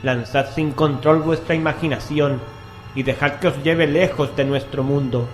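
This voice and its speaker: A man's voice: on the high side, fairly even intonation, normal speed. A man with a Castilian Spanish accent hosting and narrating a scripted horror radio show in an ominous, theatrical manner. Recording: roomy echo, music bed. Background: music.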